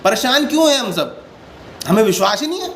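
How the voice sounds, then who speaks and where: A man's voice: very high voice, very animated, a little fast. A man hosting a devotional channel, talking casually and earnestly to his viewers and defensively explaining himself at length, sitting indoors and recording on a handheld phone. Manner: often repeats "ठीक है" to check in with listeners. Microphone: handheld phone without stand. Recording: echoey room with faint background noise.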